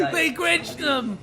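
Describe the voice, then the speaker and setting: A man streaming live, reacting to videos with loud laughs and excited outbursts. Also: extremely high pitch.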